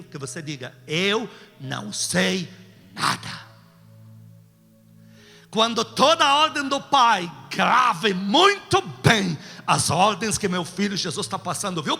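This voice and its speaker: A man's voice: high voice, gravelly, pushed and bright. A man with a Brazilian accent preaching emphatically to a congregation as a pastor, exhorting and posing rhetorical questions. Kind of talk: sermon with call and response. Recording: long hall reverb, music behind.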